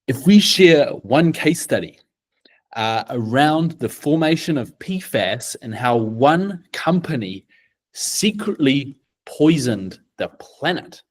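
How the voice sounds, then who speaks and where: A middle-aged man with a New Zealand accent, presenting a team project in a deliberate, measured way. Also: medium pitch, expressive.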